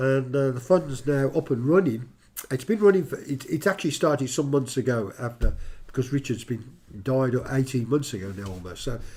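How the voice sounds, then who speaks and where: A man with a Birmingham accent at a moderate pace, over noticeable background noise. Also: medium pitch for a man, lively intonation. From England, Birmingham. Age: 80s+. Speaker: musician and songwriter. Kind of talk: casual chat. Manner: halting.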